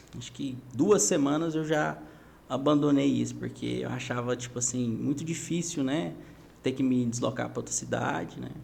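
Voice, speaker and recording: A man talks at a moderate pace. Audible room echo fills the recording. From Brazil, Goiás (Jataí). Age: 30s. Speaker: business owner. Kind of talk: podcast interview. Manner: hesitant, many fillers.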